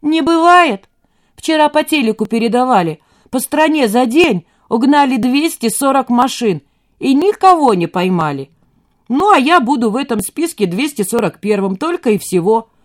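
A woman reading an audiobook, voicing a defiant teenage boy who shouts in a thin, breaking voice. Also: high-pitched, big pitch swings, moderate pace, voice pushed up. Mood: boastful. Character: hysterical defiant teenage boy, car thief.

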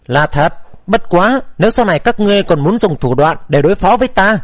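Man doing a young nobleman, wry, teasing, high light voice, storybook. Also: animated, fairly quick, no room sound.

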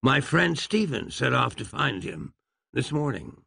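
A man's voice: mid-range voice, sing-song, measured pace, gravelly, bright, forceful tone, slightly rough, dry recording, clean studio sound, voice pushed up, full character voice. A man voicing a fussy, polite, educated doctor who speaks in a prim, formal, wordy way.

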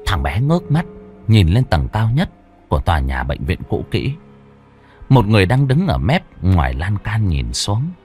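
A man narrating a story in a steady, expressive way. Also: fairly low pitch, normal speed, faint music behind.

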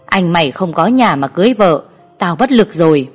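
A woman's voice: fairly low pitch, animated, moderate pace, slightly rough, soft background music. A woman reading a story aloud, voicing a tired, indebted village father who pleads in a defeated way. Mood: weary pleading.

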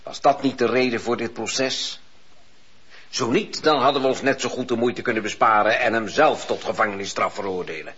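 A man's voice: medium pitch, normal speed, a bit bright, slightly rough. An actor playing a troubled judge who speaks earnestly and defends his honour in a radio play. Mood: defensive. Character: troubled male judge, proud man of honour. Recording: dull old radio recording.

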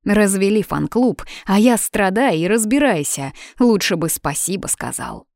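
A woman's voice: medium pitch, animated, dry recording, clean studio sound, pitched above the performer's own voice. A woman voicing a feisty, defiant red-haired young student in an audiobook, answering back in a raised, indignant voice. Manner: indignant, quick retorts, brightly raised voice. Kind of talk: audiobook character reading.

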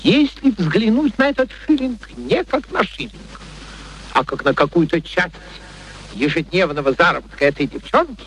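An actor playing an imperious, eccentric, impatient professor in a radio play, peremptory and sardonic in a theatrical way. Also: male voice, high-pitched, very animated, moderate pace, fairly bright tone, full character voice, poor audio. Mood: amused, declaiming. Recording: old radio recording, faint noise.

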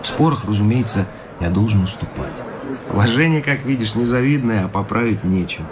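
A man's voice: fairly low pitch, animated, fairly quick, background noise, natural voice. A man playing earnest young husband Zhadov. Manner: earnest, soft-spoken, sincere. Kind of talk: radio play acting.

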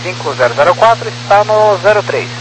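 A Brazilian man, an airline pilot, reading back clearances in clipped phrases over crackly aviation radio. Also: sits high, expressive, fairly quick, music in the background. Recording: noisy crackly cockpit radio.

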